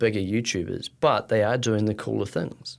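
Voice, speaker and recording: A fairly low-pitched man with a New Zealand accent at a fairly quick pace, on a very clean recording with a silent background. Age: 40s. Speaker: social media marketing mentor. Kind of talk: casual podcast chat.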